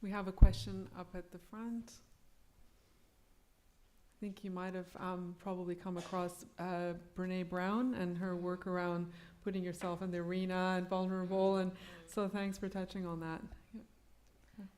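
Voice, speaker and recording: A woman moderating a forum, giving brisk directions and thanks. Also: fairly low pitch, level tone, a little mellow.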